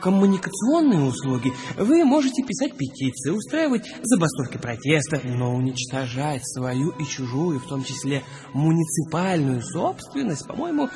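Courteous but reproving male psychiatric official; lively intonation, lighter register, radio play with clear music bed. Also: a little high, normal speed, few pauses. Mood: polite, reproving. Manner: polite, officious, hesitant when challenged. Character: male mental health official, formal, reproving doctor. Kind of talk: Russian radio drama acting. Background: music behind the voice.

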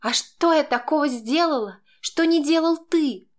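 Woman reading as a young woman, high and shrill, shouting, tearful, defiant, storybook drama. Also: measured pace. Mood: indignant. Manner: shrill, shouting through tears. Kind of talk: audiobook character voice.

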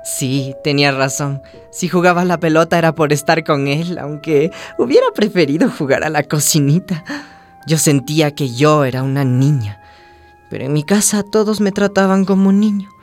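An actress as a trans woman looking back on a hard childhood in a radio soap. She narrates intimately in a slightly low voice, over clearly audible music. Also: moderate pace, a little mellow, lightly acted. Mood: wistful. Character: trans woman wistfully recalling her painful childhood. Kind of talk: radio drama first-person narration.

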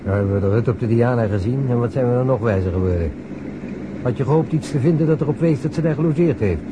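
An actor playing a reflective, questioning police detective in a naturalistic radio drama, musing aloud and probing with short questions. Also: male voice, medium pitch, animated, fast, background noise, close to an everyday voice.

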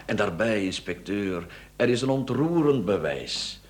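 A Flemish man acting in a radio play as a smooth-talking, cheeky rogue, glib, flippant and teasing. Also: lowish voice, big pitch swings, measured pace. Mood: amused, confiding. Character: smooth-talking, cheeky male rogue, a performer under questioning. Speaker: radio drama actor.

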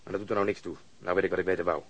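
An actor playing a blunt, sceptical police detective in a radio drama, with a dry, gruff, curt delivery. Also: male voice, low voice, flat delivery, very fast, a bit bright, no room sound, full character voice. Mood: curt, dismissive.

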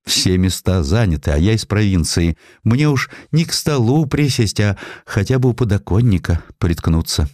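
A meek provincial clerk, played by a male narrator in a historical audio drama. He is anxious and obsequious, his pitch climbing in pleading swoops over a soft, dry tone. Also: sing-song, moderate pace, hardly any pauses, dry recording. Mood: plaintive.

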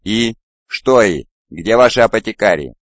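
A man with a low voice reads a stern armored warrior-medic in an audiobook, pressing and indignant. The sound is dry and a bit muffled. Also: lively intonation, brisk, no echo, close to an everyday voice. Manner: indignant, urgent.

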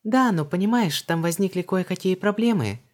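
A man voicing a flustered, talkative young woman in a high put-on voice. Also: animated, normal speed. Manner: high, bright, breathless.

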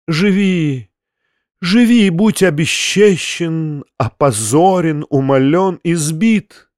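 A theatrical, self-pitying man wails his questions in a high, drawn-out voice. He declaims slowly as if in a fever. The audiobook recording is dry and close. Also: clean tone, no echo. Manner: slow wailing declamation, shouts rhetorical questions. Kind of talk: audiobook character reading.

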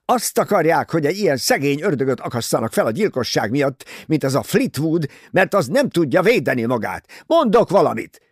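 A man reading an audiobook, voicing a rude, hot-headed young man who is scornful and breaks into shouting. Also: medium pitch, sing-song, vocal fry, no echo, studio quality. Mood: furious.

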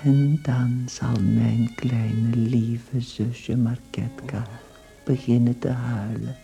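An actor playing a young man turned beetle in a radio drama, speaking his devoted, brooding thoughts in an intimate hush that slips into whispers. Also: mid-range voice, level tone, gravelly, faint music behind. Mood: tender, dreamy. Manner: slow, hushed, intimate, breaking into whispers. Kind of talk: radio drama inner monologue.

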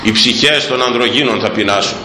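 An older man, a Greek priest, preaching a sermon with fiery shouting bursts and mocking asides. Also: mid-range voice, reverberant, in a large hall, a little hiss or hum.

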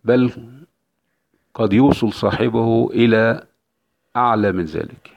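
Gravelly-voiced preacher, lo-fi. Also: male voice, medium pitch, measured pace. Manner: emphatic, repeats key phrases. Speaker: Islamic preacher. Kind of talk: religious lecture. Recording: dull lo-fi recording.

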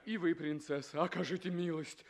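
An actor playing an ardent, proud young prince, declaiming theatrically in a 1960s recording of a stage comedy. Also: male voice, a little high, steady tone, normal speed, natural voice. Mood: pleading, proud. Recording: 1960s radio stage recording, audience behind.

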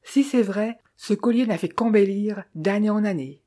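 A woman's voice: mid-range voice, moderate pace, warm tone, close to an everyday voice. A woman reading the lines of a courteous young man, a jeweler's son, in an audiobook.

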